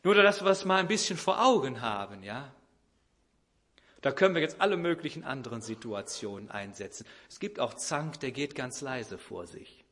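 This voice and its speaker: A man's voice: mid-range voice, expressive, normal speed, a bit bright. A man preaching a sermon who illustrates his point with an everyday story and acts out the people in it.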